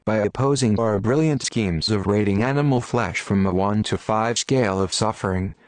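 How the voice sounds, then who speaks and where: A smug, preachy man talks down to the listener in a fairly low voice, as a man puts him on. The sound is dry and close. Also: normal speed, no echo, close to an everyday voice. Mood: mocking. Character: smug man lecturing about being divisive.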